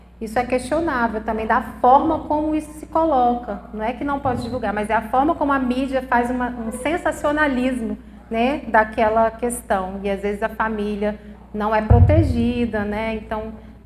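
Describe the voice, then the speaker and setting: A woman's high-pitched voice with ordinary pitch variation, amid audible room echo and noticeable background noise. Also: moderate pace. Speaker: church talk speaker on suicide prevention. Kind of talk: church lecture with audience questions.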